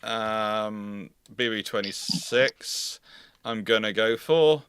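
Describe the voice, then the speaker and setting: A man's voice: fairly low pitch, takes it slowly, a bit bright, clean tone, dry recording. A man hosting a casual live question-and-answer chat, talking in a rambling, digressive way. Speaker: host of a live naval history Q&A.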